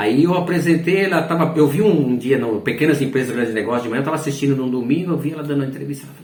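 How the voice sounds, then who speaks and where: A man at a fairly high pitch, at a very fast pace with hardly any pauses, ordinary pitch variation and big swings in loudness, over noticeable background noise. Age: 60s. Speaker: football announcer and voice artist. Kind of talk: interview.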